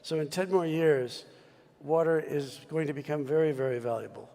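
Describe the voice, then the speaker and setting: A high-leaning, creaky voice with a dark tone, at normal pace, belongs to an American mining executive on a panel. He talks in an expansive, emphatic, speech-making way, echoing with the long reverb of a large conference hall.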